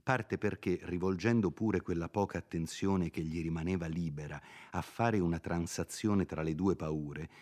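A man reading a classic novel aloud in measured literary narration. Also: deep voice, darkish tone. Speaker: reader.

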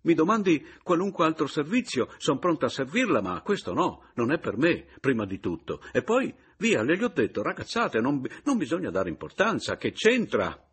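A man reading an audiobook, voicing a timid, fussy old gentleman who protests in a high, fluttery voice. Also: sing-song, moderate pace, hardly any pauses, breathy edge, heavily acted. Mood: flustered.

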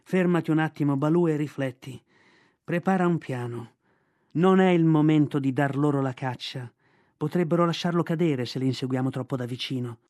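Man playing a furious she-panther, growling scolding, mellow voice, storybook. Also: fairly high pitch, moderate pace, natural voice. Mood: angry scolding.

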